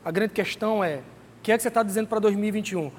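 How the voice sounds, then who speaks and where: A man's voice: high-pitched, very fast, darkish tone. A man preaching a sermon in a conversational, emphatic way, often calling out to his listeners. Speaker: pastor. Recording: long hall reverb, faint background noise.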